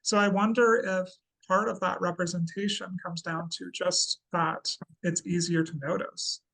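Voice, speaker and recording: A trans woman with a relatively deep voice interviewing in a thoughtful, measured way. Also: fairly even intonation, creaky, a bit bright, slightly rough, low-quality recording. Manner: thoughtful, measured, careful wording.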